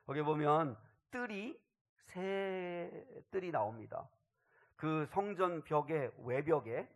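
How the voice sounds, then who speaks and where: A man delivers a sermon in a fairly high voice. He swells loud on key phrases and then sinks to a near hush. He acts out quoted dialogue as he preaches. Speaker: pastor.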